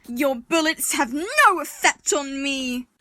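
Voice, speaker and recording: A woman plays a young adventurer in an audio drama. Her voice is high and piercingly bright, with short, emphatic exclamations, recorded close and dry. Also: expressive, slow, no echo, exaggerated voice. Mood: taunting.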